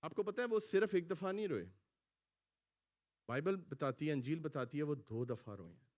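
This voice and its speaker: A male pastor preaching a sermon in a church hall, calling out lines for the congregation to repeat and swinging between loud exclamations and quiet asides. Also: on the high side, lively intonation. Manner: preaching, has the congregation repeat phrases after him. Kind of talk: sermon with call-and-response.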